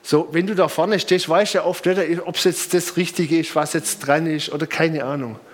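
With a steady tone, a moderate pace and a voice on the high side, a middle-aged man gives a sermon full of personal anecdotes. He comes from Bamberg, Germany, has a southern German accent, and preaches informally, conversational and repeating himself for emphasis.

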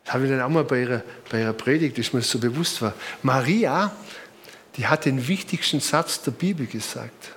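Slight background noise sits behind a middle-aged man's fairly bright, medium-pitched voice as he preaches at a moderate pace. A southern German accent marks this Bamberg native, whose informal sermon leans on conversational anecdotes and emphatic repetition.

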